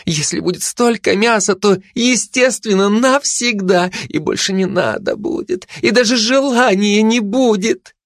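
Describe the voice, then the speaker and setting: A man voicing a gluttonous, excitable female dog who squeals and rambles dreamily about food, in a dry close recording. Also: high-pitched, a little slow, no room sound, voice pushed up. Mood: eager.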